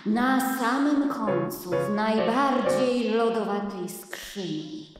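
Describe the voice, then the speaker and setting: A woman's voice: on the high side, lively intonation, slow. A woman playing a mysterious guardian of a cold store in an improvised children's radio play, teasing and beckoning. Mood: mysterious, inviting. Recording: echoing hall reverb, music behind.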